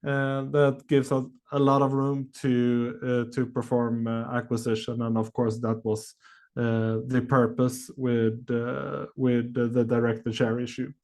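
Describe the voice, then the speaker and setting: A man answering questions as a company executive on an earnings call, speaking haltingly with many long filled pauses. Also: medium pitch, flat delivery, a little mellow.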